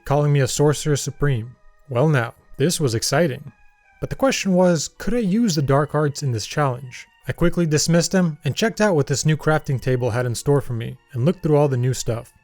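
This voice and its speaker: A man's voice: on the high side, dry recording. Dry-humored young man narrating his game. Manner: dry self-deprecating humor, calls himself monotone. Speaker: gaming YouTuber narrating his playthrough. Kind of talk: voice-over narration of gameplay.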